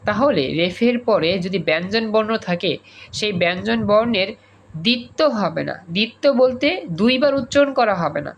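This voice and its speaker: A man's voice: high voice, lively intonation, normal speed, gravelly, a little hiss or hum. A male teacher, teaching an online class over a video call and drilling students with repeated questions and examples. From Bangladesh.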